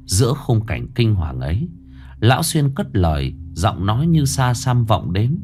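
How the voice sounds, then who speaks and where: Low voiced guy reading a ghost story, lots of pitch swing, ominous. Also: huge pitch swings, measured pace, a little mellow, soft background music. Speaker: horror story narrator. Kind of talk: scripted horror narration.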